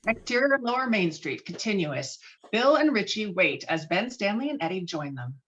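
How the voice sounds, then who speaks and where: A woman's voice: mid-range voice, very animated, normal speed, a bit bright, a little hiss or hum. A woman narrating scripted stage directions at a virtual table read. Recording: dull lo-fi video call audio.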